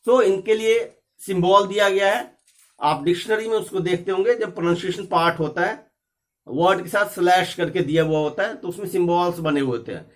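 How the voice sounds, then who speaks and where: A man teaching a spoken English lesson, explaining each point in English and then repeating it in Hindi. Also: sits high. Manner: slow, deliberate English examples.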